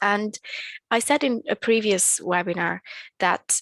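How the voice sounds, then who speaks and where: A woman with an Italian accent, in a dry, close sound with no echo. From Italy, Rome. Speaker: linguist and lecturer. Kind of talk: webinar lecture.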